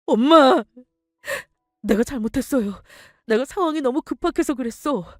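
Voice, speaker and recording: A woman's voice: high voice, expressive, normal speed, no echo, clean studio sound, soft background music, pitched above the performer's own voice. A woman doing a whiny greedy grown son. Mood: pleading. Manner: whining and pleading. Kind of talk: dramatic story reading.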